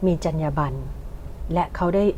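A woman hosting a panel discussion, long-winded and pausing to search for words. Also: warm tone. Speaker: talk show host. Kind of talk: studio panel discussion, interviewing guests. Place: television studio. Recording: muffled sound with clear background noise.

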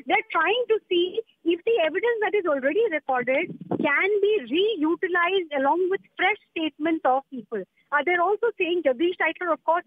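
A woman's voice: sits high, dry recording. A woman correspondent with an Indian accent explaining a story live and unscripted over a telephone line. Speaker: news correspondent. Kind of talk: unscripted live phone report. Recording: muffled narrow phone line.

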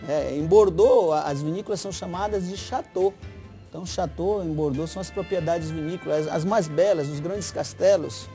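A man's voice: on the high side, moderate pace, warm tone, faint music behind. A middle-aged man explaining wines as a guest sommelier on a TV studio set, emphatic and salesy, on a lapel mic. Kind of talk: TV wine talk and promotion.

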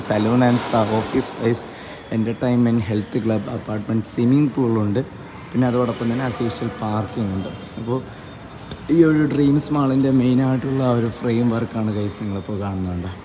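A man with a mid-range, steady voice moves quickly through his walking-tour vlog of an empty building, phone camera in hand. His enthusiasm comes through in repeated stock praise, and street noise is clearly audible on the recording.

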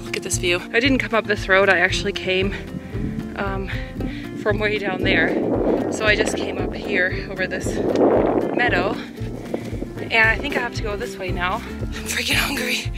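A woman's voice: medium pitch, fairly even intonation, moderate pace, long pauses, loud music behind the voice. A young woman, out of breath, chatting candidly to the camera while hiking a mountain trail, on a lapel mic outdoors. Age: young adult. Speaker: vlogger. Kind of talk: casual hiking vlog.

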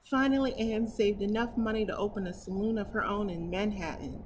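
A middle-aged American woman reads a picture book for children's storytime at the library, her medium-pitched voice a little fast, expressive and exclaiming, with chatty, enthusiastic asides. She's indoors in front of a painted mural. The rough recording has clear, steady background noise.

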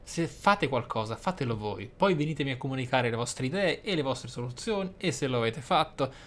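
A man hosting a roleplay let's play, speaking in deliberate, formally worded, articulate commentary. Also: medium pitch, animated, fairly bright tone. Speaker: gamer, let's play host. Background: video game ambience.

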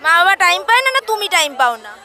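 A young woman with a Bengali accent, hosting a lively vox pop street interview with a handheld mic outdoors. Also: very high-pitched, very fast. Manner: lively, chatty presenter. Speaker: street reporter and host. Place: crowded churchyard lawn outdoors. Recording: outdoor crowd in the background.

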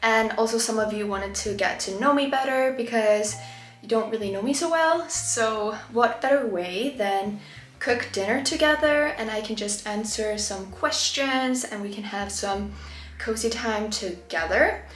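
A lifestyle vlogger, an Icelandic woman in her twenties, chats enthusiastically while cooking in a small home kitchen, sprinkling in lots of "like" and "honestly." Her voice sits fairly high and her pace is unhurried. The casual cooking-vlog audio is reverberant.

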